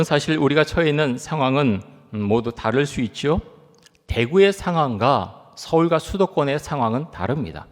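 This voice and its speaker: A middle-aged male pastor delivering a Sunday sermon, reading scripture slowly and putting rhetorical questions to his congregation. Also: mid-range voice. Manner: reads scripture aloud slowly and deliberately. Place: church sanctuary. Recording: long church hall reverb.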